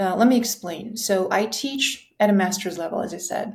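A woman with a non-native accent speaks at a moderate pace and medium pitch, with ordinary pitch variation. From Kazakhstan. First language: non-native English speaker. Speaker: English teacher. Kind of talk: casual chat.

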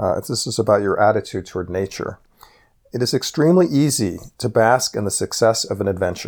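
A man speaks at a fairly quick pace with lively intonation. His pitch is medium, and he has a plain, everyday voice. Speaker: community radio host. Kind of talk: interview. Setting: studio.

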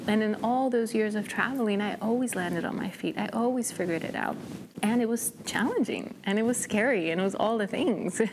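Over noticeable background noise, a woman with a fairly high voice talks at a fairly quick pace with ordinary pitch variation. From Colombia. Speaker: breathwork teacher and coach. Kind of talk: interview conversation.

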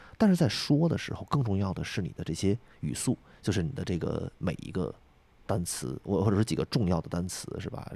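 A man's fairly low, dark, mellow voice with vocal fry, very wide pitch swings and a fairly quick pace. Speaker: podcast co-host, software developer living in the US. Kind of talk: casual chat.

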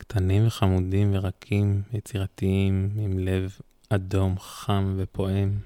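A man's fairly low voice, very slow and monotone, on a very clean recording with a silent background. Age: 30s. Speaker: family counselor and parenting coach, podcast co-host. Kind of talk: casual chat. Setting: home at night.

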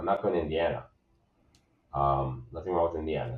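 With a Chicago accent, a man speaks at a fairly quick pace. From US Midwest, Chicago. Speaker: real estate agent and army veteran. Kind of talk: casual interview. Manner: halting, many fillers and repetitions.

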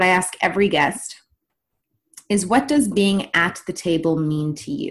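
The speaker is a woman with a somewhat breathy voice. She talks at a fairly slow pace. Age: 30s. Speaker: podcast host and medical doctor. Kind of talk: interview.

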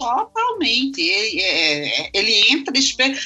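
Clearly audible background noise accompanies a woman's voice. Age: 40s. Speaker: design professor. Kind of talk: casual chat.

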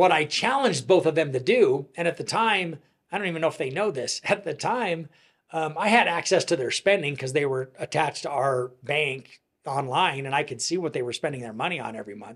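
This man has a plain, everyday voice, a fairly high pitch and an American accent. His intonation is lively and his pace fairly quick. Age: 60s. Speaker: podcast host and mortgage professional. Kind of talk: casual monologue.

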